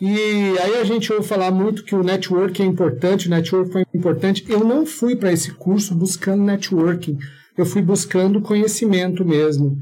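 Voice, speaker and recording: A man speaks at a moderate pace with hardly any pauses and very even loudness. His voice is high-pitched with a dark, mellow tone and ordinary pitch variation. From Goiás, Brazil (Goiânia). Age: 50s. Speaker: sales director, former tech account manager. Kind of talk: casual interview chat.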